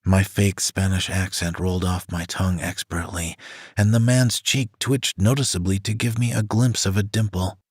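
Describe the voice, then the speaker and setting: A man reading a romance audiobook aloud in the first person, in an even, scripted narration. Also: deep voice, husky, no echo, clean studio sound. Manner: reads a woman's first-person story in an even voice.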